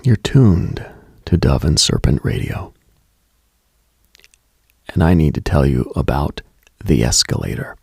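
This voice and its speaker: A man hosting a late-night mystical radio monologue in a hushed, husky, gravelly voice, deliberate and brooding, with pauses, close on the mic. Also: big pitch swings, dry recording. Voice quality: husky, breathy, gravelly low voice.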